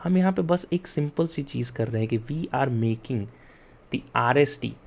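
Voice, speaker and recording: A young man explains coding in an easy, chatty way. He keeps turning to his students to check they are following, and he goes slowly so they can take notes. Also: mid-range voice, expressive, creaky, a little mellow. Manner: mixes Hindi and English, chatty with frequent "yaar" and "theek hai?"; addresses students directly and urges them to take notes. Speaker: coding tutor. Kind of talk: casual explained lesson.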